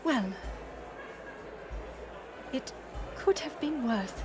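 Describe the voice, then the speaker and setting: A woman's voice: high-pitched, animated, drawn-out words, heavily acted. A woman playing a proud, weary middle-aged queen mother in a dramatic audio roleplay, formal and commanding. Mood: placating, apologetic. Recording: music and crowd murmur behind. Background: music and banquet crowd.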